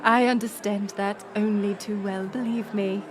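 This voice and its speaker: A woman playing a gracious, resolute middle-aged queen in an audio roleplay, speaking in formal, stately, measured phrases. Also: mid-range voice, fairly even intonation, background noise, lightly acted. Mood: gracious, candid. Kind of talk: scripted audio roleplay acting.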